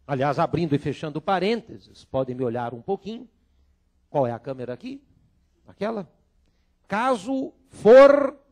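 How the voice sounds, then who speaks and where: Male grammar teacher, lively lecturer, slightly high voice, drills the class with call-and-response. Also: brisk. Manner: animated, drills students with call-and-response repetition. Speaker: law exam teacher. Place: lecture room filmed for a course.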